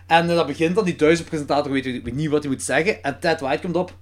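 A man's voice: a little high, fast talker. A man hosting a casual chat about horror films, telling stories with enthusiasm. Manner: animated, enthusiastic storyteller. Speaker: podcast host.

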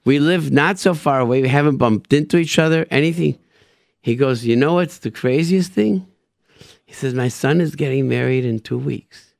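A man's voice: medium pitch, normal speed, vocal fry, dry recording, clean studio sound. A man hosting a radio show, telling personal religious stories informally and emphatically, repeating phrases and sprinkling in Hebrew and Yiddish expressions.

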